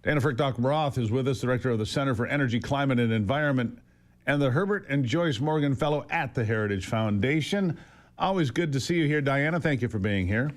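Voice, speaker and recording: A man's voice: mid-range voice, brisk. A man hosting an opinionated political interview, speaking emphatically with rhetorical questions and repeated phrases for stress. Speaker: talk show host.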